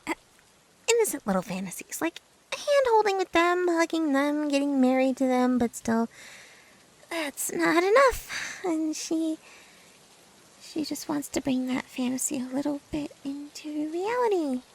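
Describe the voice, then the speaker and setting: An obsessive, lovesick young woman, acted by a female performer in an ASMR roleplay. Her voice is high and very animated in pitch, rising and dipping often. She stammers and hesitates, flustered and defensive, like someone nervously confessing to a best friend. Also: measured pace, gravelly, exaggerated voice. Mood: flustered, dreamy.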